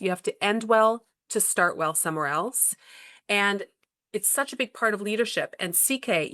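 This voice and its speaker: A woman's voice: mid-range voice, a bit bright, dry recording, clean studio sound. A woman hosting a podcast conversation, upbeat and steering the talk along. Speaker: podcast host, school principal.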